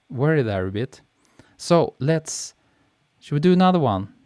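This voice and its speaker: A man hosts a live stream, chatting with viewers at an unhurried pace. His voice is smooth and clear, picked up close on a podcast mic with very little room sound. He reads comments aloud and laughs easily. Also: a little high, very animated, darkish tone, dry recording. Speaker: photographer hosting a live stream. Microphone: podcast mic on a boom arm.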